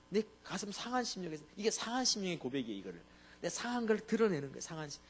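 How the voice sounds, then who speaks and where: A man's voice: high-pitched, husky. A male pastor preaching a sermon in a conversational way, often asking the congregation to agree with him.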